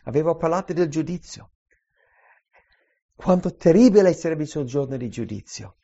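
A man preaching a sermon and reading scripture aloud, with an emphatic delivery that slows on key phrases. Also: fairly high pitch, lively intonation, dark tone. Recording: dull lo-fi recording.

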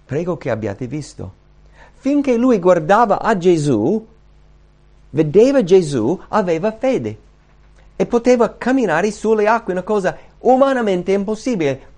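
Animated man preaching a sermon. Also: fairly high pitch. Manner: animated storytelling, acting out Bible scenes; repeats phrases for emphasis.

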